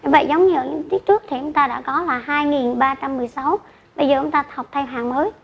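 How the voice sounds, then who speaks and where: High-voiced woman teaching math slowly. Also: gravelly. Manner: slow, careful, spells out numbers digit by digit. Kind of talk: online math lesson for children. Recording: dull lo-fi recording with faint noise.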